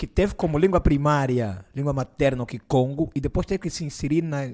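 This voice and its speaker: Speaking at a moderate pace, a man uses a fairly high pitch with ordinary variation and a dark, mellow tone. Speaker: interviewer. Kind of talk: interview.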